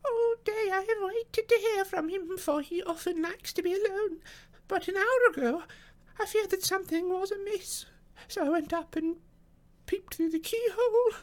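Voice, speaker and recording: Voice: very high-pitched, moderate pace, pitched above the performer's own voice. A narrator voicing a thin old housekeeper, frightened, tearful and devoted, in an audiobook story. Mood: anxious, pleading. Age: older. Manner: tearful, repetitive, fretful pleading.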